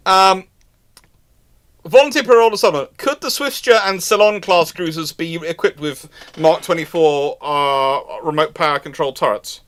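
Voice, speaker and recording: A man hosting a live question-and-answer stream, speaking off the cuff in a rambling, halting way with exasperated asides. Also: a little high, fairly bright tone. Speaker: host of a live naval history question stream. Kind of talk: unscripted live commentary and Q&A.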